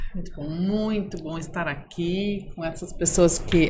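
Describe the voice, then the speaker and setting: Against noticeable background noise and audible room echo, a woman with a fairly low pitch speaks at a fairly slow pace. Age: 40s. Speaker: entrepreneur. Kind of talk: casual chat.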